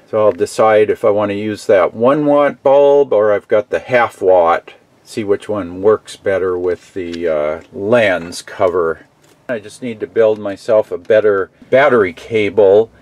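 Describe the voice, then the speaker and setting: Slow, low-voiced man narrating repairs. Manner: slow, halting, thinking aloud with fillers. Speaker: DIY repair vlogger. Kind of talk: casual hands-on narration. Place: garage workshop and shed.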